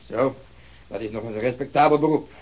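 An actor playing a blunt, impatient police detective who talks in a mocking, provocative way. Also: male voice, mid-range voice, normal speed, a little mellow, slightly rough, close to an everyday voice. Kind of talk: radio play acting.

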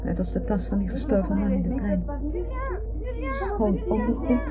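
An actress playing an anxious, caring wife in a radio drama, speaking in a worried, plaintive manner. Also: female voice, mid-range voice, sing-song, normal speed, natural voice. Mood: sad, wistful. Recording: tinny narrowband radio play, clear noise.

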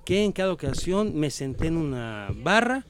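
A man's voice: a little high, sing-song, normal speed. A man with a Mexican accent, talking in a casual group conversation, emphatic and opinionated as he tells stories. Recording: faint background noise.

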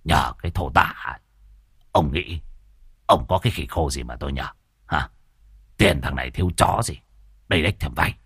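A man's voice: rumbling low, slow, long pauses, fairly bright tone, slightly rough, no echo, studio quality, pitched below the performer's own voice, exaggerated voice. A man voicing a rude, foul-mouthed younger exorcist. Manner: crude, snappy.

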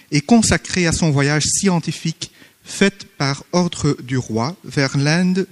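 A man who is not a native French speaker, formally reading a conference paper with hesitant pauses and self-corrections. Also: fairly high pitch, long reverb tail. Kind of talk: academic conference paper read aloud. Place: conference hall.

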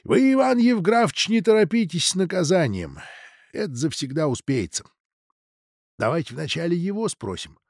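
A man voicing a calm, firm chief of detectives who speaks in a measured way, in an audiobook. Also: a little high, vocal fry, dry recording, studio quality, heavily acted.

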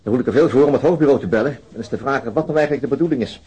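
An actor playing a sober, methodical police detective in a radio drama, with a hesitant, understated way of talking. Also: male voice, mid-range voice, racing, dark tone, husky. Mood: pensive, weary. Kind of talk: naturalistic radio drama dialogue.

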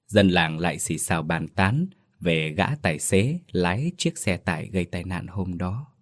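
Deep-voiced man narrating a mournful tale. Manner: solemn, mournful storytelling. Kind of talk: scripted narration of a tragic ghost story.

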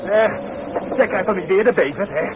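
An actor playing a needling, dismissive demolition workmate in a 1960s Dutch radio play. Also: male voice, high voice, a little fast, lightly acted. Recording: muffled, noisy 1960s radio recording.

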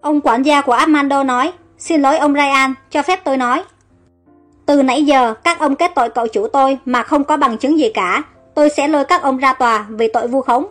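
A woman's voice: high-pitched, fairly quick. A woman narrating an audio story and reading every character's lines in the same voice. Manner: reads all characters in one even voice. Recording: faint background music.

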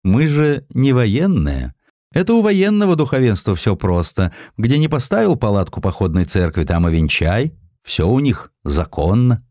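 A man's voice: medium pitch, very animated, moderate pace, dark tone, no room sound, clean studio sound, voice pushed up. A man voicing a shrewd, courteous metropolitan of the church, formal and slyly knowing, in an audiobook.

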